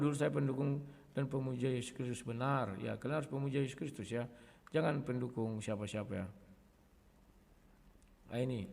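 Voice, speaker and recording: A man speaking casually to his viewers in a combative way, often clearing his throat. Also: a little high, long reverb tail. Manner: combative, addresses listeners as "kawan", frequent throat clearing. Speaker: online video host.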